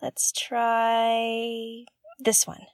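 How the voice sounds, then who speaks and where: A woman's voice: fairly high pitch, completely flat delivery, very slow. A woman playing a nervous, curious young investigator on a derelict spaceship in an audio drama, talking hesitantly and earnestly. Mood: flustered, apologetic. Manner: hesitant, self-correcting, chatty and earnest. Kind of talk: audio drama, confessional log to listeners.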